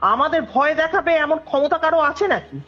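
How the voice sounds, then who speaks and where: A woman with a high voice, speaking at normal speed, tells a ghost story as a guest over a dull, lo-fi call recording with music playing behind her. She narrates conversationally and animatedly, acting out the quoted dialogue.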